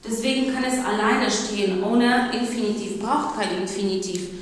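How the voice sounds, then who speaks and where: A woman teaching a language class, patient and encouraging as she explains grammar slowly. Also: medium pitch, heavy background noise. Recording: very echoey room with clicks.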